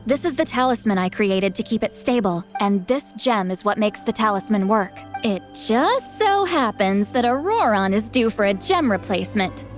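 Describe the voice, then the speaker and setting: A woman's voice: mid-range voice, animated, normal speed, hardly any pauses, soft background music, lightly acted. A woman playing a candid, self-assured, protective tribal mentor in a video game, speaking informally. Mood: serious.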